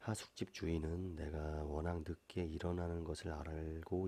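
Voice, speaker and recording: Slow-paced and somewhat breathy, a man speaks with a very deep, low pitch, a calm, soothing and dark, mellow tone, and monotone, flat intonation. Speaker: actor. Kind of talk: sleep story.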